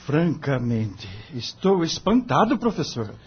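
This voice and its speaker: A somewhat muffled recording carries a man acting a young, earnest lawyer in an audiobook drama. The mid-pitched voice is husky and lively, questioning politely like a student seeking guidance. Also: slow, exaggerated voice. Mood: troubled.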